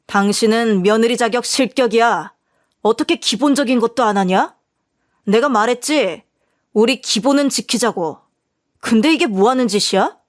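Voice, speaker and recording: A woman's voice: a little high, normal speed, no room sound, studio quality, lightly acted. Woman voicing a curt, blaming husband. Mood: scolding. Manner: curt, scolding, accusing. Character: stubborn, blaming middle-aged husband. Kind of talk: storytelling dialogue.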